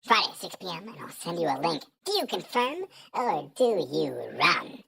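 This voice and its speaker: A man putting on a squeaky baby voice for a grown man who sounds petulant and taunting. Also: big pitch swings, moderate pace, vocal fry, pushed and bright, a little hiss or hum, heavily acted.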